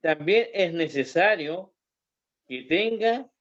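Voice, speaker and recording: A man, a Bible study participant who reads verses in a halting way and comments. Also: high-pitched, lively intonation, fairly bright tone, lo-fi sound. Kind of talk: reading scripture and discussing.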